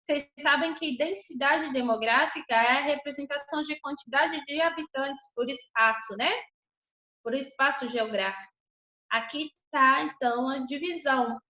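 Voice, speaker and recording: Woman teacher, high-pitched, online class from home, slightly dull, roomy sound. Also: moderate pace, sharp tone. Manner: ends phrases with checking tags. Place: home room. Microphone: computer on video call.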